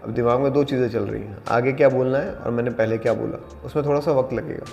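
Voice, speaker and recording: A man teaching an acting class, explaining exercises in a calm, deliberate way and mixing in English terms. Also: mid-range voice, vocal fry, muffled recording. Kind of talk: spoken acting lesson. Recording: echoey hall with faint music.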